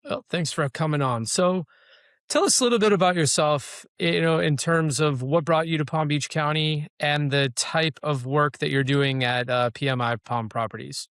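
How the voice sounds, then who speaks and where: A man's voice: fairly high pitch, moderate pace, fairly bright tone, dry recording, studio quality. A man hosting an interview show, asking questions in a conversational way with frequent "you know" fillers. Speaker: podcast host.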